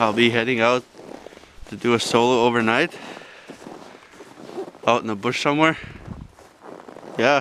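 A man speaks at a moderate pace with very even loudness and fairly even intonation. The sound is dry with no echo, over light background noise. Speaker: fisherman vlogger. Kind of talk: casual vlog chat. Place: open country. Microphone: phone near.

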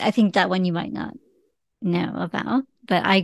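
A woman with an American accent speaks with vocal fry in a dry, close sound with no echo, against a quiet background. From United States. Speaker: eDiscovery attorney. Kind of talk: interview.

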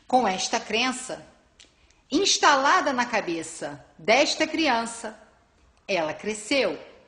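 In a Brazilian accent, a woman speaks at a high pitch with very wide pitch swings. Her pace is very slow, with long, frequent pauses. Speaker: vlogger sharing her testimony. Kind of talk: furious angry rant, scornful and accusatory, cursing at the audience. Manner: indignant, forceful, sharp and biting, defiant; emphatic, repeating phrases for punch.

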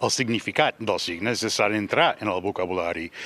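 The sound is dry, with no echo at all. A man's speech moves at a fairly quick pace. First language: not Catalan, learned it as an adult (speaking Catalan). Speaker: art historian, university chair director. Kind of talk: interview. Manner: halting, with repetitions. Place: garden. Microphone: handheld.

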